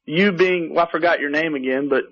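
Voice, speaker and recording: A man calling in to a talk show to debate, speaking in a halting way and rephrasing as he argues. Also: on the high side, a bit bright. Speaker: radio show caller. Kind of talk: call-in debate, unscripted. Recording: muffled, lo-fi call audio.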